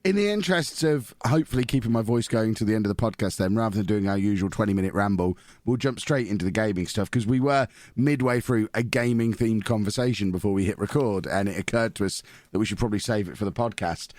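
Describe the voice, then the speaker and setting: A man hosting a casual podcast, his voice hoarse and nearly gone, teasing his co-hosts cheekily. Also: lowish voice, quick pace, hardly any pauses, darkish tone, no echo, clean studio sound. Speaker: podcast host. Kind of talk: casual chat.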